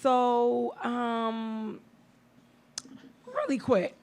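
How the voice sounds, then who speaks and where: A woman's voice: fairly high pitch, very animated, extremely slow, a little mellow. A woman in her thirties hosting a radio talk show, chatty and blunt, laughing often. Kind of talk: casual chat.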